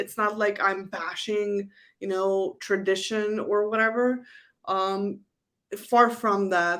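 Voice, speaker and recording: Speaking at a very slow pace with a non-native accent, a woman keeps a medium pitch and fairly even intonation. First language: not English. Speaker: tarot youtuber. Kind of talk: casual chat. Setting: live stream.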